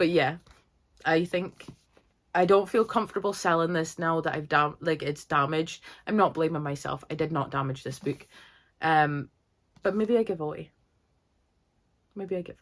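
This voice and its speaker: In a Scottish accent, a woman speaks at a moderate pace with long, frequent pauses. Her pitch is fairly low with ordinary variation, on a very clean recording with a silent background. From Scotland. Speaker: book youtuber. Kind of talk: casual vlog talk to camera. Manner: animated.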